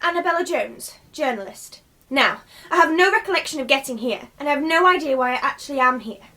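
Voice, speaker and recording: A woman's voice: sits high, lively intonation, brisk, pushed and bright, full character voice. A woman playing a bewildered, indignant and prim journalist in a radio play, insistently questioning. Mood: puzzled.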